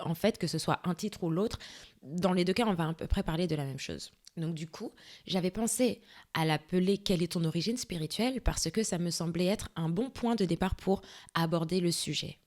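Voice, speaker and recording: A young woman hosting a faith-based self-help podcast, talking straight to the listener and often checking in with a quick question. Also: fairly low pitch, a little mellow. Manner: conversational, addresses listener directly with frequent "ok?" and "tu vois". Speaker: podcast host.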